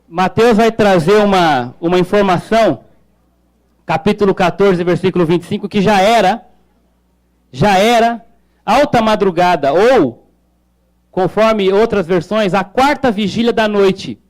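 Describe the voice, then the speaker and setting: A man's voice: sits high, unhurried. A male pastor preaching a sermon in a conversational way, with jokes and rhetorical questions.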